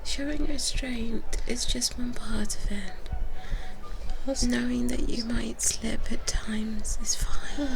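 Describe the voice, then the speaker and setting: A woman voicing a gentle vampire twin who mentors a fledgling in a soothing ASMR roleplay. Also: a little high, fairly even intonation, creaky, background noise. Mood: reassuring. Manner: slow, gentle, soothing whispered delivery. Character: female vampire twins, nurturing mentors to a fledgling, teasing each other. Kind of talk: ASMR roleplay, personal attention.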